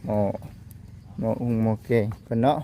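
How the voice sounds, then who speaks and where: A man's voice: moderate pace, mellow, a little hiss or hum. A man with an Isan accent vlogging outdoors in a village, chatting casually and calling out to his viewers.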